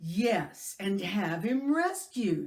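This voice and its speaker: A female-sounding voice puts on a character voice at medium pitch. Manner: scornful.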